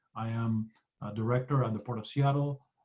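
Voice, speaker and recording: A man speaks in a dark, mellow tone that is somewhat breathy, his intonation monotone and flat. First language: Spanish. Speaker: public agency director, guest speaker. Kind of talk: graduation speech. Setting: video call.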